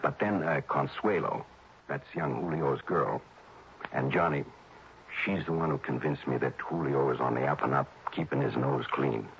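Earnest worried friend, deep voice, halting explanations, dull radio tone. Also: male voice, fairly bright tone, slight background noise. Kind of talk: 1950s-60s radio drama acting. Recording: dull old radio broadcast.

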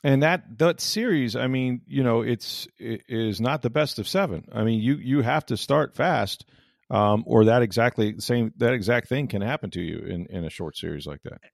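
A man's voice: mid-range voice, normal speed, vocal fry, no echo, studio quality. A man hosting a sports podcast, discussing games casually and agreeably with his guest. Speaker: sports podcast host, interviewer.

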